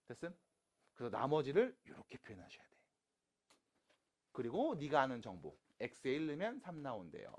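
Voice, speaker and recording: A man teaching math to high school students in a classroom, casual and teasing, switching between polite and plain speech. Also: darkish tone. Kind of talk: classroom lecture.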